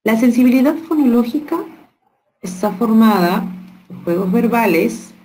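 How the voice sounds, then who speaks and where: A woman's voice: a little high, lively intonation, unhurried, darkish tone, poor audio. A woman giving an online workshop lecture to teachers, explaining step by step and checking in with rhetorical questions. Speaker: teacher trainer.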